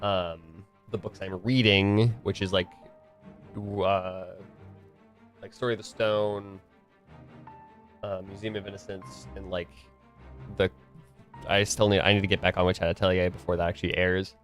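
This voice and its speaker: A man's voice: low voice, level tone, moderate pace, pauses often, fairly bright tone, faint music behind. A young man streaming solo, rambling casually with lots of fillers, his voice a bit stuffy and nasal from a cold and tired from the morning. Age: young adult. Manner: rambling, filler-heavy, restarts often.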